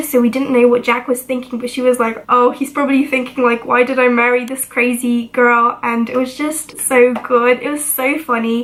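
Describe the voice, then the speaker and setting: Against noticeable background noise, a woman speaks at a high pitch and a moderate pace. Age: young. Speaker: book reviewer. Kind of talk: casual talk to camera.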